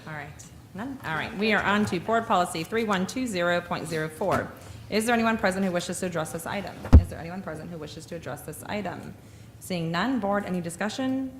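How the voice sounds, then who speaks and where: A woman chairing a school board meeting, reading agenda items in brisk, repetitive, formal phrasing into a table microphone. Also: fairly low pitch, lively intonation, background noise.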